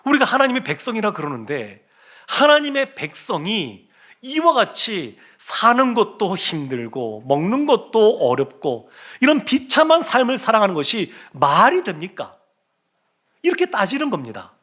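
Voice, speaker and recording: A man's voice: high-pitched, huge pitch swings, normal speed, pushed and bright. A man, a pastor, preaching a sermon and acting out the words of the people he quotes. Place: church sanctuary.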